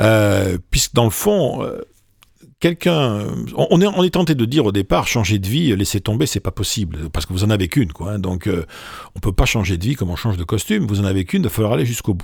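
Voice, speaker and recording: Lively in intonation and somewhat breathy, a man speaks in a fairly low pitch on a very clean recording with a silent background. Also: fairly quick pace. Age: 60s. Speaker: professor. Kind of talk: interview.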